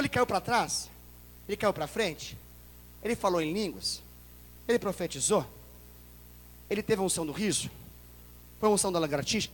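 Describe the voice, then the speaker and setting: A man with a Brazilian Portuguese accent preaching a sermon as a pastor, dramatic and joking with the congregation, breaking into loud cries. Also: sits high. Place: church sanctuary. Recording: long church hall reverb.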